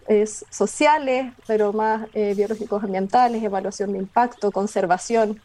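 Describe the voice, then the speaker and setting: A young Chilean woman, a biologist, answering interview questions in a thoughtful, halting way with many fillers and restarts. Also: fairly high pitch, dark tone. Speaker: biologist guest. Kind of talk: radio interview conversation.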